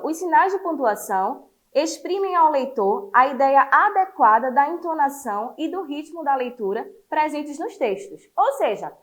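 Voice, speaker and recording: A woman teacher from Brazil giving an online class to children, lively and encouraging, explaining step by step. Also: high voice.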